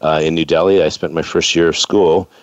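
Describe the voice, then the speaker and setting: This is a fiftyish American host conducting a loose, rambling interview. His pitch is extremely low, his tone steady, and his pace a little fast. The audio has no room sound and comes across dull and lo-fi.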